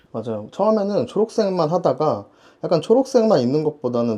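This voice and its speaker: Speaking at a fairly quick pace, a man uses a dark, mellow tone with very wide pitch swings. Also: quiet background. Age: 30s. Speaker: graphic designer, homeowner on room tour. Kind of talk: casual interview, room tour.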